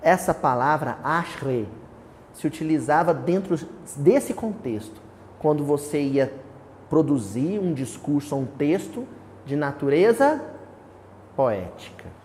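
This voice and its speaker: Very animated yet slow, this Brazilian-accented man has a slightly high, darkish voice as he leads a small study group. He repeatedly asks the group questions before supplying the answers, and he declaims any verses he cites. The room is a reverberant hall, with a faint hiss underneath.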